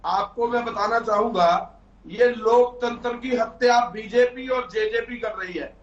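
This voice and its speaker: A man's voice: very high-pitched, measured pace. A man making an insistent, accusing statement in a heated debate, his voice carrying a heavy cave-like echo over a remote line. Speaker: political panelist. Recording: echoey distant dull remote line.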